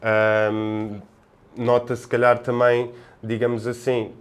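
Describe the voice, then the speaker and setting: A man with a European Portuguese accent giving casual sports analysis as a podcast panelist, in a halting, discursive manner. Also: medium pitch, monotone, clean tone.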